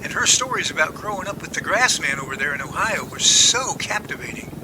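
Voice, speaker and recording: A man's voice: sits high, animated, a little fast, background noise. A man in an amateur audio drama playing an easygoing, newly confident man in love, earnest and plain-spoken. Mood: fond.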